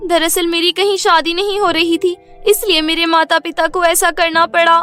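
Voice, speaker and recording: Lady doing young princess, meek n earnest, really high voice, cartoon story w music. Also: little pitch movement, normal speed, sharp tone. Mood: pleading. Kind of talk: Hindi cartoon story dubbing. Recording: music bed behind the voice.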